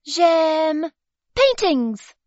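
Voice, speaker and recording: A woman doing a squeaky, bossy storybook baby. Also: very animated, extremely slow, darkish tone, dry recording, lo-fi sound, heavily acted. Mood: fussy. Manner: squeaky, imperious. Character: bossy talking baby girl, demanding.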